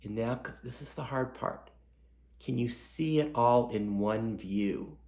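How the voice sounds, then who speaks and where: Guy doing a guided meditation, soft and slow, kinda gravelly, echoey room. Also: mid-range voice. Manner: slow, soft and unhurried, full of pauses and gentle questions. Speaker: meditation teacher.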